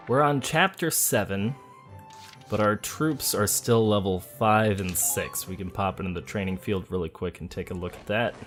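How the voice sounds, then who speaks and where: Low-voiced man, relaxed game commentary. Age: adult, parent of a school-age child. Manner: relaxed, chatty, thinking aloud. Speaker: let's play host. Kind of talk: casual gameplay commentary. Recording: game music behind the voice. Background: video game music.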